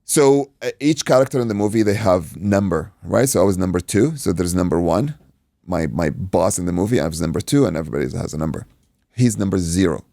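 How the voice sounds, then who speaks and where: A man from Iraq, a native Arabic speaker, telling an animated anecdote in casual podcast chat, acting out dialogue and swearing freely. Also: low-pitched, brisk, gravelly, dry recording, studio quality. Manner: acts out dialogue, swears, says "dude". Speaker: podcast guest, martial arts coach and stunt performer.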